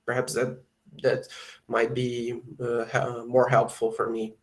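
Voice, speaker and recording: A Brazilian man with a Brazilian Portuguese accent, a student on a video call who hesitates and fills pauses while he hunts for words. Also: mid-range voice, completely flat delivery. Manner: hesitant, many fillers while searching for words. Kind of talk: casual conversation lesson.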